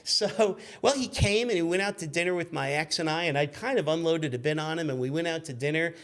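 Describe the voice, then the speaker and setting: A man in his fifties telling casual anecdotes as a guest, in an animated, rambling way, acting out what people said. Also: a little high, brisk. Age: 50s. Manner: animated, rambling, acts out remembered quotes.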